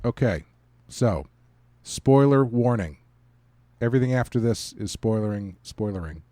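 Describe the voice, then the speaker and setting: A man co-hosting a podcast, chatting informally about a review and halting as he searches for words. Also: lowish voice, lively intonation, warm tone. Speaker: podcast co-host. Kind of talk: casual review chat.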